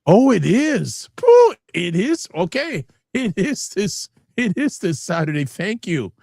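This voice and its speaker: Animated male live-stream host. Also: high voice, slow pace, creaky, no room sound, clean studio sound. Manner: animated, self-interrupting, jokey. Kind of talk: casual live-stream chat and sign-off.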